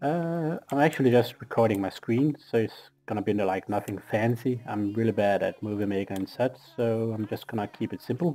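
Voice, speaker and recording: Speaking with a Danish accent, a man at a medium pitch keeps a moderate pace with hardly any pauses and ordinary pitch variation. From Denmark. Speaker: gamer. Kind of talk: casual game tutorial narration.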